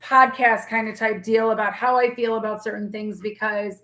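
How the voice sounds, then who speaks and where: Shouting loudly with an American accent, the speaker has a bright, sharp tone and a monotone, flat intonation on a very clean recording with a silent background. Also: woman. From New York. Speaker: tarot reader. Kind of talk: live stream chat. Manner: loud, sounds like yelling; sassy, feisty.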